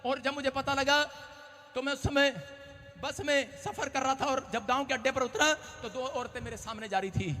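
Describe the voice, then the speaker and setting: A man preaching a sermon as a pastor, shouting and acting out scenes as he tells stories. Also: very high voice, fairly even intonation, moderate pace. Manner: shouting, dramatic storytelling. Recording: long hall reverb.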